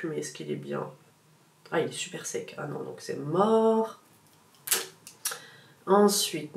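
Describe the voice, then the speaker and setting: A woman vlogger chatting casually as she sorts through her makeup, relaxed and slangy with lots of fillers. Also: low-pitched, creaky, recorded from a distance. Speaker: beauty vlogger. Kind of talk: casual chat while sorting makeup. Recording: echoey room, voice off-mic, faint background noise.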